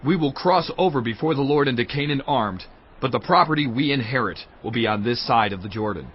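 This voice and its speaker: An actor playing a humble tribal spokesman who pleads earnestly for land, with a husky voice, on a dull lo-fi recording. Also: medium pitch, animated, a little fast, a little hiss or hum, lightly acted. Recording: dull lo-fi recording with music behind.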